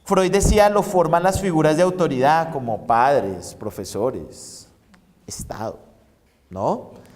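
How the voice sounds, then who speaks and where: A man's voice: a little high, measured pace, darkish tone. A man giving a university psychology lecture, acting out inner voices and asking rhetorical questions. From Colombia. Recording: reverberant hall recording.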